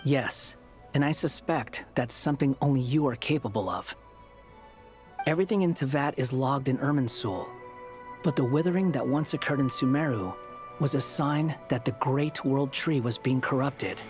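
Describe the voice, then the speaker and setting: A man's voice: mid-range voice, normal speed, over music, close to an everyday voice. An actor voicing a blunt, skeptical male companion in a game, challenging and direct. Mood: stern.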